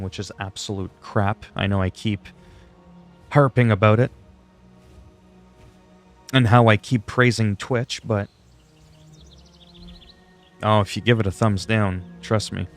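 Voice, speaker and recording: A man's voice: on the low side, fairly even intonation, measured pace, long pauses, soft background music. A man from Canada whose first language is French, chatting casually on a livestream in a self-deprecating, salty, freely swearing way. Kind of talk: casual rambling livestream chat.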